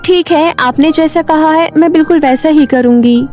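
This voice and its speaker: A woman's voice: high voice, normal speed, darkish tone, soft background music, voice pushed up, lightly acted. A woman voicing a brave, devoted young village girl in a cartoon story, emphatic and determined. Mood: determined, earnest. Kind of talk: cartoon moral story voice acting.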